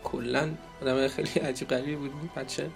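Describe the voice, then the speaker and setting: A man's voice: medium pitch, level tone, gravelly, soft background music. A man co-hosting a podcast, announcing poll results in casual chat, joking and asking playful questions. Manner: joking, laughs often, asks rhetorical questions. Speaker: podcast co-host.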